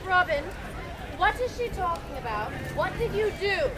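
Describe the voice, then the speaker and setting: A woman's voice: very high-pitched, big pitch swings, moderate pace. A woman playing a devoted, spirited outlaw's wife in theatrical Renaissance faire acting, with emphatic projection. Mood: surprised. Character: Maid Marion, Robin Hood's devoted, spirited wife. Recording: loud outdoor crowd ambience.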